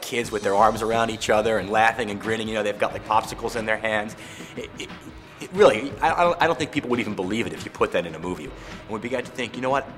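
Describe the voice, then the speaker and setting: Low-voiced man telling a story, music behind. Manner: animated storyteller, many "you know" fillers. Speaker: game co-creator. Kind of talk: documentary interview storytelling. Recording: reverberant room with music underneath.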